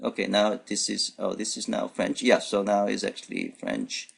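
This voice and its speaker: A male programming instructor, a native Korean speaker, sits at his computer and narrates a screen-recorded demo without a script, thinking aloud through many fillers and restarts. His lowish voice is very animated, fairly bright and slightly rough, with vocal fry, at a moderate pace.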